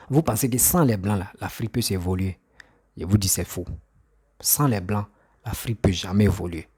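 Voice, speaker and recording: Impassioned man, low husky voice. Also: a little mellow. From Côte d'Ivoire. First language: an African language, not French. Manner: emphatic, repetitive, rhetorical questions. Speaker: commentator responding to critics. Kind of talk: impassioned political monologue.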